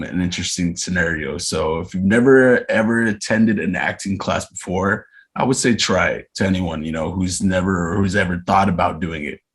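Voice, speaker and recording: Podcast guest, man in his 30s from Arizona, very low voice, thoughtful and hesitant delivery. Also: breathy edge. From Arizona, USA. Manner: reflective, unhurried, frequent hesitations. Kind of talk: casual interview chat.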